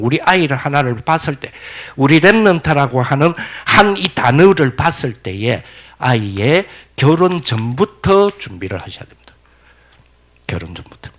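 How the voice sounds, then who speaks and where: A middle-aged male pastor delivers a sermon in a lecture style. He tells stories with energy, asks the congregation questions, and slips into quoted voices. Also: mid-range voice.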